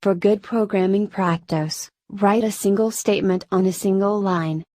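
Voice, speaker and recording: A woman narrating a programming tutorial in a flat, synthetic-sounding scripted delivery. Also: medium pitch, normal speed, no echo, clean studio sound.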